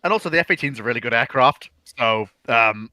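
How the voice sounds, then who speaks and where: A man's voice: medium pitch, expressive, a little fast, sharp tone, dry recording. A man co-hosting an unscripted question-and-answer chat, opinionated and emphatic, thinking aloud and correcting himself as he goes. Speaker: co-host of a naval history livestream.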